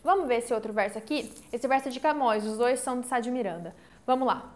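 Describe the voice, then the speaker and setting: High-voiced woman teaching a lesson. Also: darkish tone. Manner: explains step by step, counts syllables slowly aloud; checks in with frequent "tá?". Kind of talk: online literature lesson.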